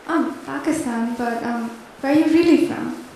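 A woman's voice: sits high, moderate pace, mellow, a little hiss or hum. A young woman acting a prying, condescending stranger in a staged dialogue, speaking into a handheld mic on a stage. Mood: friendly. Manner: breezy, condescending questioning. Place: large wooden-walled hall. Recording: roomy hall sound from a distance.

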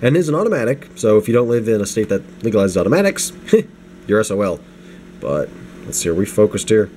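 Low-voiced man, sniffly and rambling. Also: big pitch swings, fast talker, dark tone. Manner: rambling, self-deprecating, many restarts and asides. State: low energy, getting over the flu, sniffly. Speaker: knife reviewer. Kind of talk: casual unscripted product review. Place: home desk at night. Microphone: camera mic, hands-only framing. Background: space heater hum.

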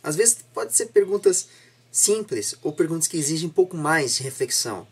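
A young man with a Brazilian accent and a slightly husky voice, chatting reflectively as an interviewer, repeating and rephrasing himself earnestly. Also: on the high side, expressive, moderate pace. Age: young adult. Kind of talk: casual reflective interview chat. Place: small home room indoors, seated on a sofa.

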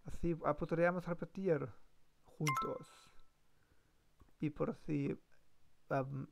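A man practicing a language he is learning, talking haltingly with many restarts and self-corrections during a live-streamed lesson. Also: on the high side, fairly even intonation, gravelly, noisy background.

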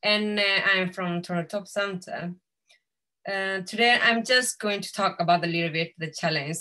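A woman's voice: mid-range voice, normal speed, bright, forceful tone. A young woman from Sweden giving an informal speech on a video call, searching for words as she goes. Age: young adult. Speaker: seminar speaker.

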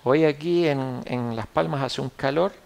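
A man's voice: medium pitch, measured pace, vocal fry, darkish tone. A young man with a Canarian Spanish accent, giving casual gameplay commentary as he plays, rambling and correcting himself as he thinks aloud. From Canary Islands, Spain. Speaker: gameplay tutorial host.

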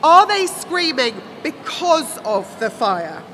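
A woman voicing a grave, grieving queen, measured, deliberate and coolly intent, in an audiobook. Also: high voice, sing-song, sharp tone, big-room sound, slight background noise, heavily acted. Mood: measured, intrigued. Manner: slow, deliberate.

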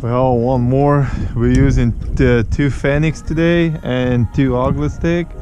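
A man speaks slowly and carefully in broken English, and his first language is Ukrainian. His voice has a medium pitch. Clear wind and engine noise comes through an action camera on an open boat. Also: fairly even intonation. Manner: slow, broken English, addresses viewers as guys. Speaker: fishing vlogger. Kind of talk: casual narration to viewers. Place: small boat outdoors on open water.

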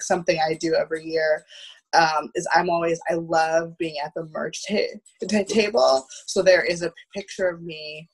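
Female guest, thirties, slightly low raspy voice, casual talker who repeats first syllables, on a video call from home. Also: rough recording. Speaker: guest, theatre producer. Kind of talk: casual chat. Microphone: video call, wearing headphones.

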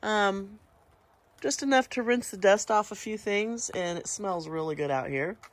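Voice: mid-range voice, measured pace. Stuffy-nosed gardener rambling on a phone cam out in the yard, lots of ums. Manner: rambling and chatty, with many fillers and small laughs. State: congested, sniffly. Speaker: gardening channel host. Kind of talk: casual walk-and-talk garden vlog. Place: outdoors in a home garden after light rain. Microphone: handheld phone camera.

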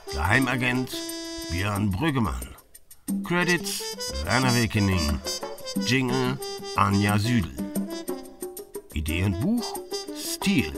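Man reading credits over music. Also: mid-range voice. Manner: measured, announcing. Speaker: credits announcer. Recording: music playing underneath.

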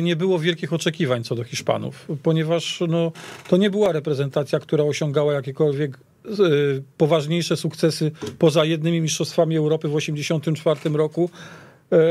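A man discussing football as a studio guest, speaking haltingly and repeating words as he goes. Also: fairly high pitch, a little mellow. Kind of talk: casual analytical discussion. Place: radio studio.

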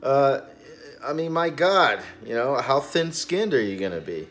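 A man's voice: mid-range voice, sing-song, a little slow, fairly bright tone. A man in his forties hosting a cigar video channel, talking in an emphatic, indignant casual rant from a small room full of boxes. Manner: emphatic, indignant, gestures broadly with hands. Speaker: cigar review channel host. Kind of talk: opinionated casual vlog rant. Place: small storage room stacked with boxes, indoors.

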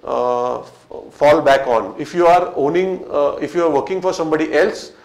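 Indian English male coach, 30s, fairly high voice, chatty with lots of fillers, roomy echo. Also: normal speed, darkish tone. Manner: conversational, many fillers and restarts, gesturing while explaining. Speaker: restaurant business coach. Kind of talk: whiteboard talk to camera. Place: small room in front of a whiteboard, indoors. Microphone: fixed camera, medium shot. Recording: echoey small room.

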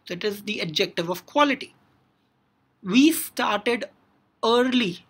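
A woman's voice: mid-range voice, expressive, measured pace, slightly rough. A woman with an Indian English accent teaching a grammar lesson, explaining step by step with frequent "now" and "so".

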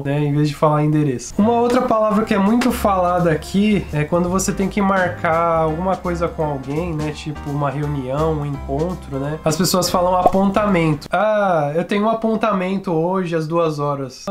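Laid-back Brazilian vlogger over music. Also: mid-range voice. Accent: Brazilian Portuguese. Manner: slangy, laid-back, peppered with tag questions and chuckles. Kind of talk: casual chat to camera. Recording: voice over steady background music. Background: background music.

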